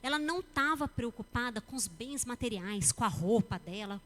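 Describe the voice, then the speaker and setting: A woman's voice: on the high side, moderate pace. A woman with a Brazilian Portuguese accent preaching a sermon, telling stories and acting out the voices of the people in them. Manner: animated storytelling, acting out dialogue. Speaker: church speaker.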